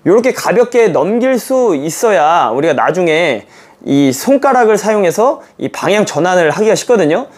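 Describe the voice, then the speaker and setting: A man with a high, lively voice gives a badminton lesson to camera. He talks casually and demonstratively, full of small fillers as he shows each move. His pitch swings widely from phrase to phrase. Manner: animated, demonstrative, many fillers like "이렇게" and "아". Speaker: badminton coach.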